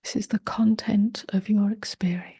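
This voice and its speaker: A woman leading a guided meditation, speaking softly in short phrases with long pauses, gentle and often close to a whisper. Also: mid-range voice, steady tone. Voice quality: soft, breathy, husky, often near a whisper. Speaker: meditation teacher.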